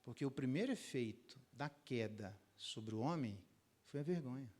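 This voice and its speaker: A man's voice: medium pitch, normal speed. A middle-aged Brazilian man, a pastor, teaching a Bible lesson with anecdotes and acting out the dialogue himself. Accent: Brazilian Portuguese. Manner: lively storyteller, acts out dialogue in raised voices.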